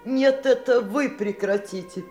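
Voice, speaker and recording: Actress as a quiet, restrained mistress. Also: female voice, a little high, measured pace, soft background music, natural voice. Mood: hurt, firm. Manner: quiet, controlled, polite. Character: restrained, patient mistress facing the wronged wife. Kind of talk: theatrical Russian radio drama acting.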